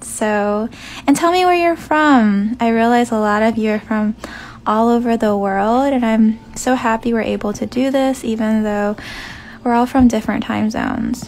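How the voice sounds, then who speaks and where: A woman speaks at a moderate pace with ordinary pitch variation. There is light background noise behind her. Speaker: artist and bullet journal creator. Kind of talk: live stream Q&A while painting. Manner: hesitant, with filler words. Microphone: phone near.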